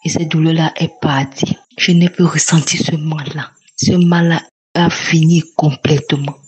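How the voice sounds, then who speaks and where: Flat, husky young woman. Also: low-pitched, a little slow. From Cameroon. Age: young adult. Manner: earnest, repetitive, grateful. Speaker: testifier. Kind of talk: spoken testimony.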